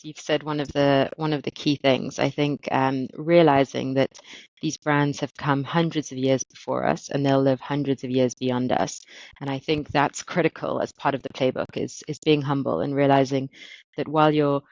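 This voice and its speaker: A woman's voice: rumbling low, steady tone, normal speed, darkish tone, no echo, highs cut off. Thoughtful South African-raised woman, dry sound. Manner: thoughtful, repeats words while finding phrasing. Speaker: guest, marketing director. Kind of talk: interview answers.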